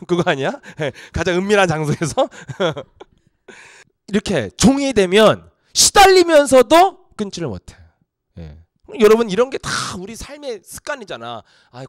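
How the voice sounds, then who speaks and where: Male pastor, middle-aged, informal youth sermon; animated, acts out quotes, fairly high voice. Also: moderate pace, no echo, studio quality.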